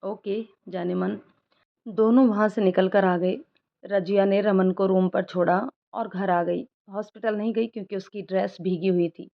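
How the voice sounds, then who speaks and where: A woman narrating an animated moral story in a plain, steady storytelling voice. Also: mid-range voice, normal speed. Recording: dull lo-fi recording.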